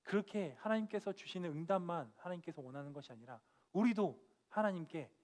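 A young man with a high-pitched voice delivers a church sermon. He speaks earnestly and with emphasis, sinking to a quiet tone and then lifting again as he drives home each point. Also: lively intonation, a little fast. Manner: earnest, emphatic, dropping soft then rising on key points. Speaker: preacher. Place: church sanctuary.

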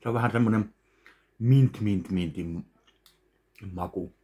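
Finnish guy in his 30s doing a candy taste test at home, lowish voice, slow chewy commentary. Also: a little mellow. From Finland. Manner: slow, chewing between remarks. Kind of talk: casual tasting commentary. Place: home kitchen, indoors. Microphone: webcam at desk distance.

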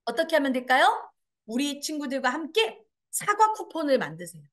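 A woman's voice: high voice, very animated, normal speed. A woman teaching a parenting class, acting out dialogue in exaggerated voices and quizzing her audience. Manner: asks the audience questions and answers them. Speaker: parenting education lecturer. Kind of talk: lecture to parents and children.

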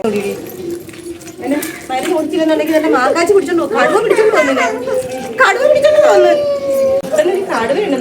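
A high-pitched woman recording a home vlog, half coaxing and half scolding a small child. Her voice is caught on a phone camera, and loud background noise sits under every word. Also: far from the mic. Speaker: mother and vlogger.

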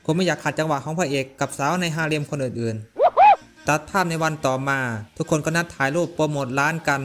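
Male recap narrator: fast, slightly high, casual slangy delivery over faint music. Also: fairly even intonation. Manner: brisk, chatty, slangy asides.

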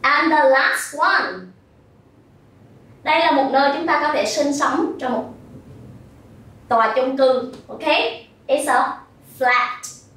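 Brief: Vietnamese-accented woman, primary English teacher, slow and deliberate, voice high, recorded off-mic in a very echoey room. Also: steady tone, a bit bright, recorded from a distance. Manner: slow, clear modelling of words for repetition. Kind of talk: recorded vocabulary lesson.

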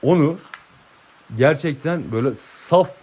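Lively, fairly high-voiced man vlogging. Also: unhurried. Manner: coaxing and affectionate with his dog, then explaining. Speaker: vlogger with his dogs. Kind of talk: casual vlog chat to viewers.

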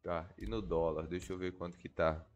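Low-pitched Brazilian man with a stuffy nose. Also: little pitch movement, moderate pace, lo-fi sound, faint music behind. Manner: informal, slangy, swearing. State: mildly congested with a cold. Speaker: gaming video creator. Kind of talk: casual gameplay commentary, thinking aloud.

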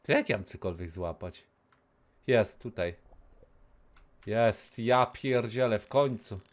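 A man in his thirties streaming a game from a small room on a headset mic, talking casually, cursing and yelling at the game, sometimes dropping to a whisper. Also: lowish voice, slow pace. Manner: excitable, swears, yells at the game, then drops to a whisper. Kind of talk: casual live gameplay commentary.

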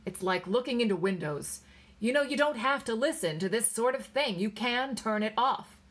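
A woman's voice: a little high, animated, normal speed. A woman voicing a tired, exasperated husband in a story, firm and remonstrating. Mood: indignant. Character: weary, exasperated husband, reasoning and reassuring.

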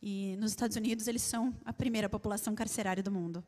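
A woman's voice: medium pitch, very fast. Woman interpreter in an echoing church hall. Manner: laughs easily, relaxed and conversational. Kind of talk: live consecutive interpreting. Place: large church auditorium with an audience. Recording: long hall reverb.

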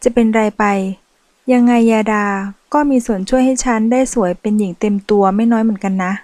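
A woman's voice: on the high side, fairly even intonation, fairly quick, dark tone, no echo, close to an everyday voice. A woman reading a novel aloud, voicing a sassy, boastful transgender woman who manages loans at a bank. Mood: teasing. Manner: brash, teasing, boastful.

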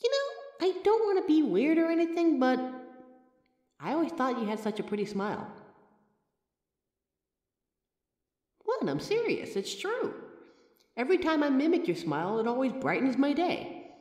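Brief: woman as a talkative, kind mirror-reflection girl, lively pitch, echoey reverberant room. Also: normal speed. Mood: chatty. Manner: chatty, warm-hearted reassurance, self-aware rambling. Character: chatty friendly female mirror reflection, reassuring. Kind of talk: comfort roleplay audio. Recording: roomy echoey recording with long reverb.

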